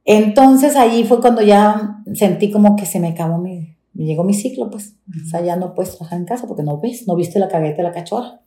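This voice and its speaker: A woman's voice: medium pitch, a little fast. A Mexican woman, a domestic worker, telling her story in an interview and acting out the dialogue as she goes. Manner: animated retelling, acts out quoted dialogue. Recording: roomy echo.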